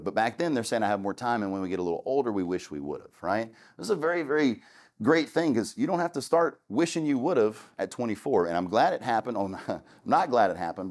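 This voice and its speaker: A man, casually and candidly talking a student audience through his start in real estate, with many restarts. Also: lowish voice. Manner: candid and conversational, with many restarts and "long story short". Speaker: real estate investor giving a talk.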